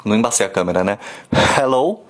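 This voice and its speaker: A man from Brazil teaches pronunciation live on his phone, chatty and lively, stopping often to show how a sound is made. His voice sits at a middle pitch. The room around him rings a little. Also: moderate pace, reverberant. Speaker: English teacher. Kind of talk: live online pronunciation class. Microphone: phone camera.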